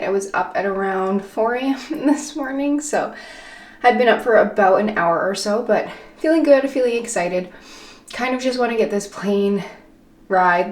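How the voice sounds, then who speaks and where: Higher-voiced woman chatting casually in a vlog. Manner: informal, conversational, peppered with "like". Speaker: travel vlogger. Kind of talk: casual vlog chat to camera.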